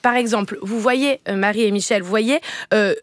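A woman performing a comic radio column in a studio, playful and theatrical, with quick jokes. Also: medium pitch, dry recording. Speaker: resident comedian columnist. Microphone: studio microphone.

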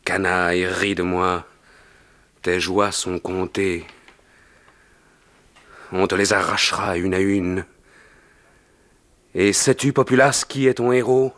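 A scornful poet hurling grave, low condemnations at a mob, as a male reader gives him voice. His voice drops deep and slow, solemn and defiant. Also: fairly even intonation, fairly bright tone. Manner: grave, denouncing.

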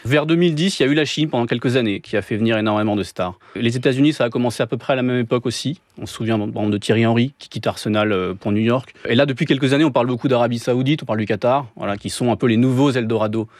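A man's voice: mid-range voice, darkish tone, no room sound. Thoughtful French novelist in his thirties. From France. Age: 30s. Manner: thoughtful, hesitant, many pauses with fillers. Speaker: novelist guest. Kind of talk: radio interview answers.

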